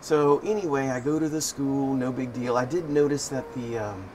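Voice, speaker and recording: A man chatting in a relaxed, wry and amused way as he tells everyday stories for his vlog. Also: medium pitch, normal speed, a little hiss or hum. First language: English. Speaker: vlogger. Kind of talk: casual storytelling vlog. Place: living in Thailand.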